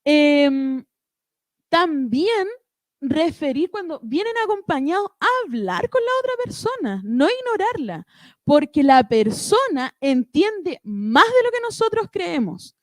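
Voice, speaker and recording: High-voiced woman giving a church workshop. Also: very animated, takes it slowly, no room sound, clean studio sound. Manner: explanatory, checks in with frequent tag questions. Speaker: church ministry presenter. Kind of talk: instructive church workshop talk.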